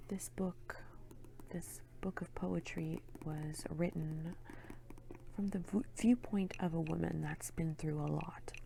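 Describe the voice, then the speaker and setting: A soft-spoken woman talks at a very slow pace. Long, frequent pauses break up her speech. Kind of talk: casual talk to camera. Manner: soft-spoken, quiet.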